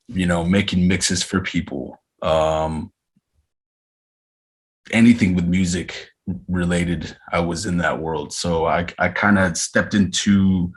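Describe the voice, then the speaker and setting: Podcast guest, man in his 30s from Arizona, very low voice, thoughtful and hesitant delivery. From Arizona, USA. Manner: reflective, unhurried, frequent hesitations. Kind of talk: casual interview chat.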